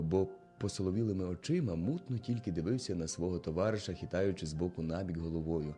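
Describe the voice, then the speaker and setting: A man narrating a classic novel as an audiobook in a steady storytelling manner. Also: low-pitched.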